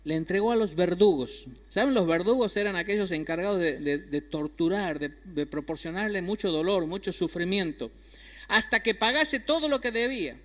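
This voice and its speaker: A pastor with a high, fairly bright voice preaches an emphatic sermon, repeating key phrases and putting questions to his listeners. A long hall reverb surrounds the recording.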